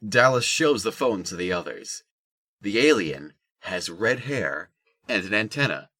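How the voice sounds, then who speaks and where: A man's voice: on the low side, sing-song, a little slow, bright, forceful tone. A man narrating a scripted audio drama in the third person.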